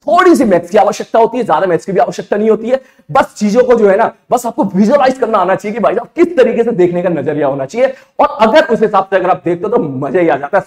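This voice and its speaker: A man's voice: high-pitched, a little mellow. A male physics teacher giving a casual exam-prep lecture, asking and repeating his own questions. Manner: conversational, asks and repeats questions.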